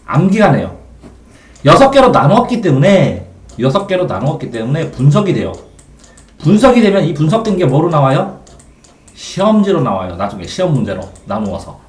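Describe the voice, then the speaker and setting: A man teaching a reading method, who asks questions and answers them himself in a repetitive, drilling way. The sound is roomy, from a mic at a distance. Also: high-pitched.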